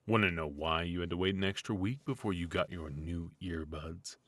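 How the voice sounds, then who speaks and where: A man playing a smug, fussy retired supervillain husband in an intimate comedic ASMR roleplay, with a husky, mock-sinister delivery. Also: deep voice, moderate pace, a bit bright, dry recording. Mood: teasing, exasperated.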